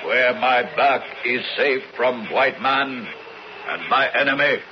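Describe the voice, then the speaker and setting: A man's voice: medium pitch, slow, natural voice. An actor playing a wary, devout Native American man in a radio drama, speaking solemn, formal broken English. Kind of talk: 1970s radio drama acting. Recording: muffled noisy old radio broadcast.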